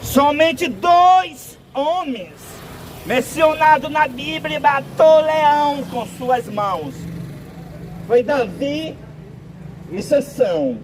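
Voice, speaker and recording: A Brazilian man preaching a sermon outdoors, speaking in slow, deliberate, drawn-out phrases. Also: very high voice. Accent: Brazilian Portuguese. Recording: outdoor street noise with traffic.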